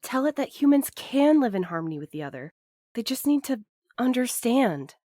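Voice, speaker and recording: A woman's voice: a little high, very animated, normal speed, mellow, no echo, studio quality. A woman playing an earnest, firm young courier who speaks directly and insistently in an audio drama. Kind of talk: naturalistic audio drama acting.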